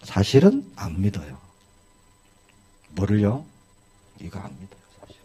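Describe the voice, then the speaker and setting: A man's voice: lowish voice, huge pitch swings, a little slow, warm tone. A male pastor preaching a sermon in a church, asking his congregation one rhetorical question after another.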